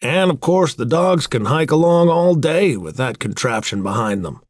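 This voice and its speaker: A man's voice: fairly high pitch, animated, moderate pace, dry recording, studio quality, pitched above the performer's own voice. A man voicing a wry, plainspoken frontier onlooker in a storybook, with a folksy, rustic manner. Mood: mildly teasing.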